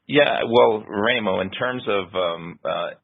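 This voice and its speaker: A man with a gravelly, husky voice speaking as a company finance executive on an earnings call. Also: on the low side, slow pace. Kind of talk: earnings call remarks and answers. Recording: tinny phone-line conference call audio.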